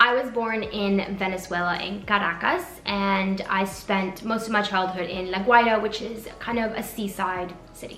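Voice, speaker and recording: A woman with a Canadian accent speaks at a medium pitch with fairly even intonation. Noticeable background noise and audible room echo are in the recording. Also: moderate pace. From Canada. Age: 20s. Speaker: fashion and lifestyle YouTuber. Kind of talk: casual Q&A vlog.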